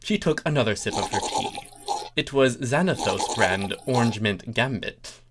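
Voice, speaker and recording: Very animated storybook-style reader, mid-pitched. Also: moderate pace, very noisy. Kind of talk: animated comic fan fiction reading.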